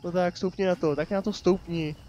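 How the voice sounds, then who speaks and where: Upovídaný komentátor hraní s vyšším hlasem. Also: male voice, high voice, steady tone, mellow, muffled recording, a little hiss or hum. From Czechia. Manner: chatty, joking, talks to game enemies. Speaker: let's play commentator. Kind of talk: casual gameplay commentary. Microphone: desk microphone.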